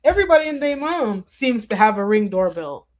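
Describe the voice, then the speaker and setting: A woman's voice: on the high side, sing-song, fairly quick. Rambling woman chatting to her stream. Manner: rambling, conversational, with restarts and asides. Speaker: livestream host. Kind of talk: casual commentary to viewers.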